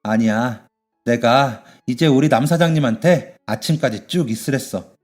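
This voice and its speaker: A man voicing a tough but caring middle-aged woman who runs a bathhouse, yelling at thugs and fussing over her young worker in a radio story. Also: mid-range voice, moderate pace, soft background music, lightly acted. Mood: doting. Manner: shouting threats, then fussing warmly.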